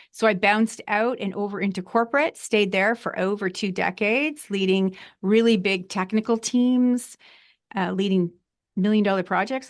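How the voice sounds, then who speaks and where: A woman at a medium pitch with a slight Canadian accent, ordinary pitch variation and a moderate pace, against a quiet background. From Canada. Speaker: business coach and podcast host. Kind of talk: podcast interview.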